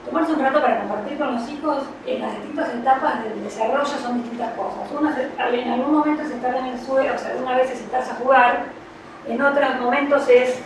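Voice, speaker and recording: A woman with a Rioplatense Spanish accent talks informally to parents, explaining child-rearing ideas in a loose, conversational way full of fillers. Her voice sits high. She is picked up from a distance in a very echoey room with a faint hum of ambience behind her. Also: steady tone, fairly quick. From Argentina. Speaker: child psychology professional.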